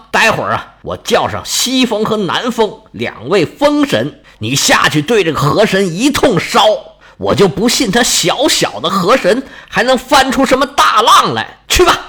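A man's voice: sits high, very animated, normal speed, few pauses, sharp tone, breathy edge, heavily acted. A man voicing a stern, commanding mother goddess who scolds her son. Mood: scolding.

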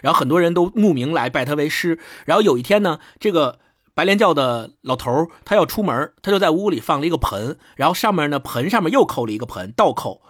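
Animated, fast-talking male storyteller. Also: a little high, breathy edge, no room sound, clean studio sound. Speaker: podcast host discussing a book. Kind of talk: casual storytelling chat.

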